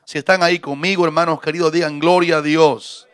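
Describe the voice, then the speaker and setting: A man's voice: on the high side, fairly even intonation, a little fast, fairly bright tone, smooth, no room sound, clean studio sound. Jovial preacher man. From Cuba. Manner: jovial, preacherly, joking with congregation. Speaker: visiting pastor. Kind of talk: sermon. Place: church. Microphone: handheld mic.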